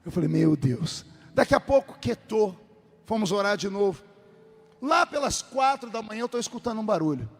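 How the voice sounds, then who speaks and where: A male pastor telling a comic personal story in a sermon, animated and lively, in a large church hall. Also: high voice, fairly quick. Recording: long hall reverb.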